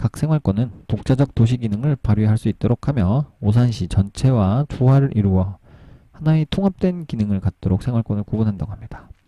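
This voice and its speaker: At a fairly quick pace, a man talks in a medium-pitched, somewhat breathy voice with a dark, mellow tone, the sound dry and close with no echo. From Gyeongsang, South Korea. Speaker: real estate agent YouTuber. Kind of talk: casual storytelling; reading aloud with commentary. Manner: halting, self-correcting.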